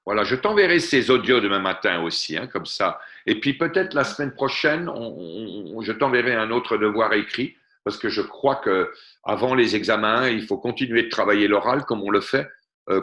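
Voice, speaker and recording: A man's voice: on the low side, bright, forceful tone, lo-fi sound. A man giving a lesson on a video call, patiently explaining grammar and slipping in short English glosses. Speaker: French tutor. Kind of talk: online tutoring session. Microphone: computer mic on a video call.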